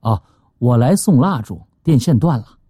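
A man voicing a secretive night watchman in a dramatized audio story, speaking low and hesitantly. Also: big pitch swings, normal speed, dark tone, slightly rough. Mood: polite.

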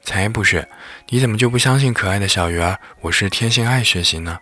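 A man voicing a cheeky, clingy high-school girl, talking in a whiny, playful way, with husky breath. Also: moderate pace, pushed and bright, soft background music, heavily acted.

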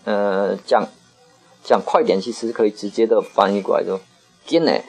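A man teaching Hokkien in a casual lesson, patiently repeating phrases slowly for his learner. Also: on the low side, vocal fry, darkish tone, faint music behind, low-quality recording.

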